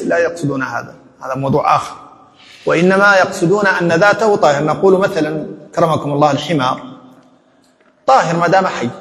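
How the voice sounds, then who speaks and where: A man's voice: on the high side, big-room sound. A man teaching a lesson on Islamic law, explaining a text and quoting scholarly opinions.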